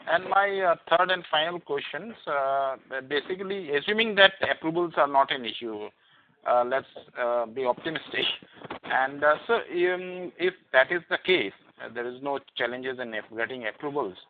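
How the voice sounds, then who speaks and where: A man's voice: a little high, moderate pace. A man with an Indian accent asking questions as an analyst on an earnings call, hesitant and circling in his phrasing. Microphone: headset on phone call. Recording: tinny phone headset line.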